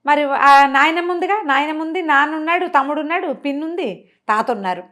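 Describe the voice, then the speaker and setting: Expressive woman storyteller with a higher-pitched voice. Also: fairly quick. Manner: expressive, acts out characters' dialogue; mixes in English words. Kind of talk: conversational retelling of a novel's story.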